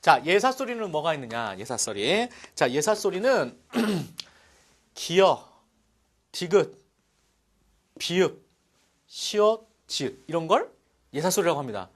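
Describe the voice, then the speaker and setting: In a Korean language classroom lecture, a middle-aged man speaks slowly with frequent pauses in a voice that's a little high. He explains each step with liveliness, checking in with students through rhetorical checks and frequent "자".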